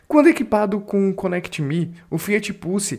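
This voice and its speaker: A man talks at a moderate pace. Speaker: car news youtuber. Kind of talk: news reading with casual commentary. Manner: casual, many fillers.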